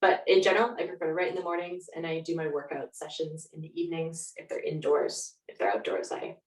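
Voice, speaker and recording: A woman's voice: sits low, fast. A Canadian woman talking reflectively in a conversational interview as a guest author. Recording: echoey room, distant from mic.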